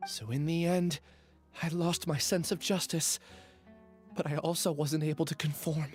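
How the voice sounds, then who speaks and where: An actor playing a gentle, remorseful young man in a video game, soft-spoken and earnest. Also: on the high side, steady tone, normal speed, faint music behind, natural voice. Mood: regretful.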